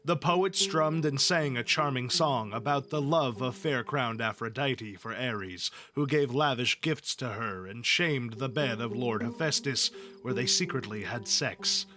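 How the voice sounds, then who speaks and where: A man's voice: mid-range voice, measured pace, hardly any pauses, music in the background. A man reading epic poetry aloud as a storyteller, in an informal read-along style. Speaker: story reader.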